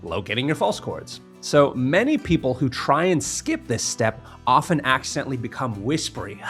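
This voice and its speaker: Male vocal coach: animated, bright and creaky, emphatic tutorial delivery. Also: medium pitch, moderate pace, few pauses, soft background music. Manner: emphatic step-by-step explaining. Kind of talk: instructional tutorial.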